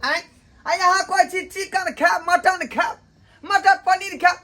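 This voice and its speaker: A worn-out older village in-law in a comedy skit, played by a woman. The voice is high and rustic, pleading and grumbling at length. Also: fairly even intonation, a little slow, bright, forceful tone, heavily acted.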